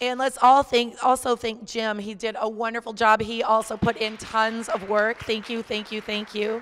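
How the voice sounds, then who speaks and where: A woman speaks at a fairly high pitch and a moderate pace, with hardly any pauses. Her intonation is monotone and flat. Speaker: university alumni relations staff, event host. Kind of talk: closing remarks at a live event. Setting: event room with live audience. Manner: loud.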